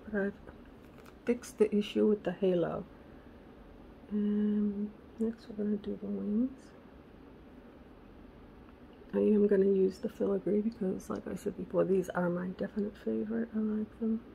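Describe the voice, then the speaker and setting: A woman hosting a casual crafting tutorial, chatty and correcting herself, her voice raspy because she is losing it. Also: mid-range voice, fairly even intonation, a little slow, pauses often, muffled recording, a little hiss or hum. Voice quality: gravelly. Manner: chatty, self-correcting, muttering asides to herself. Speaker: craft channel host.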